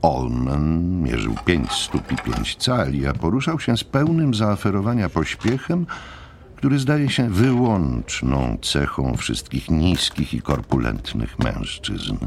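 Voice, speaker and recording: Very deep, gravelly male narrator. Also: animated, slow pace, slight background noise. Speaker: audiobook narrator. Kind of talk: dramatic literary narration.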